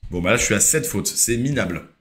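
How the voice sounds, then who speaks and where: A man's voice: on the low side, fast. A young man with a French accent, hosting a casual live driving-theory quiz, chatty and hesitant, reading questions and answering viewers. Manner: relaxed, chatty, full of hesitations. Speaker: driving school live host.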